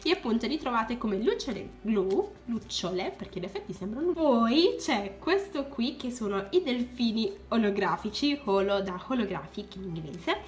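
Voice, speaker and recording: Young woman, crafts vlogger, gushing and exclamatory; highish voice, echoey room. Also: sing-song, moderate pace, few pauses. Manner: gushing, keeps exclaiming in delight. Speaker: crafts vlogger unboxing supplies. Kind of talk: excited unboxing vlog.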